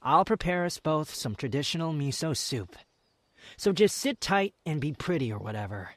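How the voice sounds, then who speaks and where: A man's voice: fairly high pitch, lively intonation, moderate pace, dry recording, natural voice. A man playing a proud, sardonic young wanderer, a guarded yet tender lover, in an intimate romantic ASMR roleplay with a teasing, haughty, dramatic delivery. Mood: haughty, playful.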